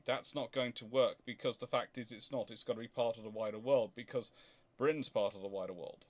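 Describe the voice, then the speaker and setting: A man with a medium-pitched voice talks informally as he fields questions from his audience. He is emphatic and opinionated, often restating a point to make it land. His delivery is that of a host speaking off the cuff. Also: a bit bright. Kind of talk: informal naval history question-and-answer talk.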